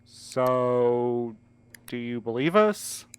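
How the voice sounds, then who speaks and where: A smooth, clear male voice of middle pitch from an actor plays a protective, exasperated friend in an audio drama. He is earnest and direct, with some light sarcasm. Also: animated, very slow. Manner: direct, plain-spoken, mildly sarcastic.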